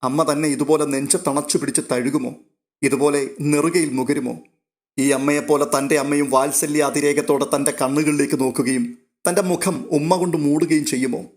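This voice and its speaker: A male narrator reads a novel aloud with a steady, literary delivery. His voice sits a little higher than most men's. The telling is even and unhurried.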